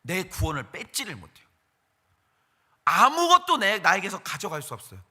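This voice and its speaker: Animated, bright-voiced male pastor preaching. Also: high-pitched, moderate pace, husky. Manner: acts out quoted voices of Satan and believers. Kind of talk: morning sermon. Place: church.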